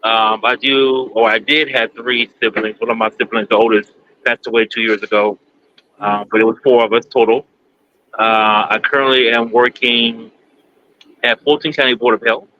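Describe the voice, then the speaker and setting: A man in his forties from Kentucky, a guest answering interview questions in a halting, plainspoken way with many pauses. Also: mid-range voice, flat delivery, bright, forceful tone. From United States, Kentucky. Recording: dull lo-fi sound, faint background noise.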